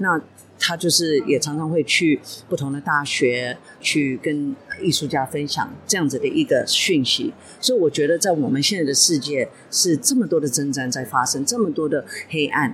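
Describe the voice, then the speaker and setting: Over noticeable background noise, a woman talks at a moderate pace with a very deep, low pitch and ordinary variation in it. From Hong Kong. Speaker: gallery owner. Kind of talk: interview. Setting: art fair floor.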